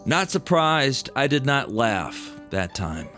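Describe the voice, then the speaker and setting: A man telling a scripted first-person story as narrator, with deliberate, dramatic phrasing. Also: medium pitch, sing-song, over music.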